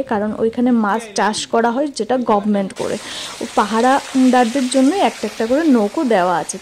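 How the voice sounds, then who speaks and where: High-voiced woman, chatty vlogger. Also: darkish tone. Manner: chatty, addresses viewers directly. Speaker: travel vlogger. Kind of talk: casual vlog voice-over.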